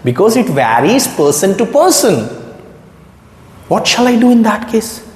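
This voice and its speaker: Gentle reassuring man in an echoey room. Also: high-pitched, very animated, unhurried. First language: not English. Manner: gentle, reassuring, repeats phrases, asks rhetorical questions. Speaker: English teacher. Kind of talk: motivational spoken lesson to camera. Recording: echoey room with long reverb.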